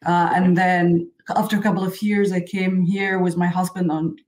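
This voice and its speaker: A woman in her thirties who grew up in Egypt answers interview questions about her career. Her voice sits on the low side, and she speaks earnestly, filling her sentences with "like". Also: level tone, normal speed, a little mellow. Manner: frequent "like" fillers, earnest. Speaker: software engineer guest.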